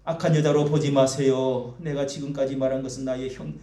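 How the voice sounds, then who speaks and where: A man's voice: medium pitch, little pitch movement, a little fast, warm tone, roomy sound, pitched below the performer's own voice, natural voice. A man voicing a grieving woman pleading.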